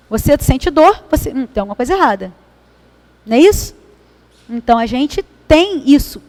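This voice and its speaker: High-voiced Brazilian woman leading a spiritist study. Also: darkish tone. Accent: Brazilian Portuguese. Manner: conversational, asks the room for agreement. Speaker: study group leader. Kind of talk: spiritist study talk with readings. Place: meeting hall.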